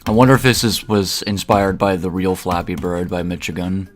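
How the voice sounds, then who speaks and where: Young guy streaming games, real low voice, kinda rambly, stops and restarts a lot, quiet music and typing behind. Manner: rambling, halting, with repeated restarts. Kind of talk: casual live-stream chat while gaming.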